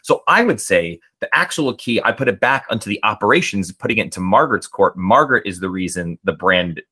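A man's voice: lowish voice, animated, fairly quick, sharp tone, slightly rough. A man talking as a guest in an interview about building a brand, explaining earnestly at length. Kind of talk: casual interview answers.

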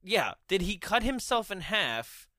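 Bright, higher-voiced young man chatting. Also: sing-song, measured pace, no echo, studio quality. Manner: laughing often, acting out lines in put-on voices. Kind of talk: casual chat reviewing a film.

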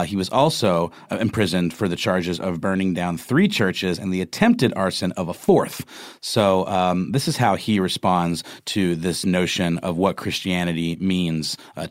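Very deep-voiced male podcast co-host. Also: no room sound, studio quality. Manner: measured, many "uh" pauses. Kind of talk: casual discussion, reading quotes.

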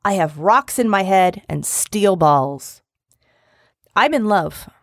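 A woman co-hosting a casual comedy chat, jokey and animated, slipping into silly voices. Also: medium pitch, slow pace, no echo, clean studio sound. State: recovering from a lost voice. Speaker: podcast co-host. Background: dog barking.

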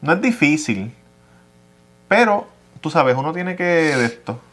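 Animated Puerto Rican man telling stories. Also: a little high, measured pace, a little hiss or hum. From Puerto Rico. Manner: animated storyteller, laughs often, swears casually. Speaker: guest. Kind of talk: casual chat. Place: outdoors in a park.

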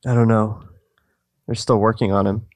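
A man's voice: on the low side, flat delivery, normal speed, darkish tone, dry recording, natural voice. A man playing an anxious, loyal teenage boy in an amateur screenplay read, earnest and plain-spoken. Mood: anxious, subdued.

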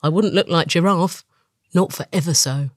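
A woman voicing a slow, fussy male leopard in a storybook tale, with a drawling, old-fashioned way of speaking. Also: fairly low pitch, no echo, studio quality, close to an everyday voice.

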